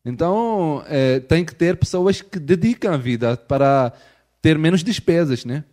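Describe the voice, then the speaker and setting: A man speaking Portuguese as a second language with a European Portuguese accent, explaining things in a casual interview and often pausing to restart his phrases and checking in with his listeners. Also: a little high, lively intonation, a little mellow. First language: not Portuguese. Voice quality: hesitant, with frequent restarts and filler checks. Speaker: missionary guest.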